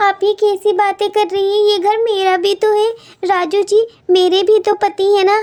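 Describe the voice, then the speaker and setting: A woman speaks at a moderate pace in a cartoonish character voice, her pitch extremely high and her intonation flat and monotone. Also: very even loudness. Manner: soft, hesitant.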